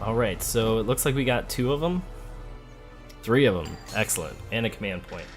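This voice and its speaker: Low-voiced man doing casual game commentary. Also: animated, normal speed. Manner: thinks aloud, conversational. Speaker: let's play host. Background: game music.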